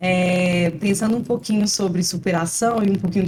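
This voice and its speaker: A woman with a Minas Gerais accent speaks at medium pitch in a dark, mellow, somewhat breathy tone. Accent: Minas Gerais accent, kept. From Minas Gerais, Belo Horizonte. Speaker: book co-author, corporate professional. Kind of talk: casual interview chat.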